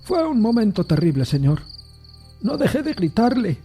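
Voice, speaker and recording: A distraught Victorian train driver in an audio drama. The voice is pitched very high and swings emotionally. He speaks haltingly and pleadingly, with great deference. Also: very animated, warm tone, faint music behind. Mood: anguished.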